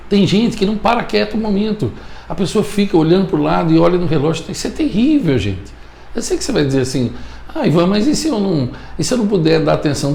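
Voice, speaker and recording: A man's voice: fairly high pitch, gravelly, darkish tone, reverberant. A man with a Brazilian Portuguese accent giving an emphatic motivational talk as a communication coach, repeating his key points and often checking that listeners follow.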